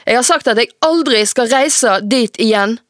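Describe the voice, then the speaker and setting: A woman voicing an angry, defiant teenage girl from a novel she is reading aloud, shouting and swearing. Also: fairly high pitch, dry recording, studio quality, pitched above the performer's own voice, lightly acted. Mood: furious.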